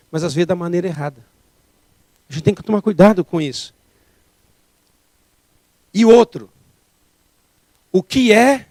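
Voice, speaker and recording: A man's voice: high-pitched, darkish tone, dry recording. A man preaching a sermon as pastor, emphatic and full of rhetorical questions.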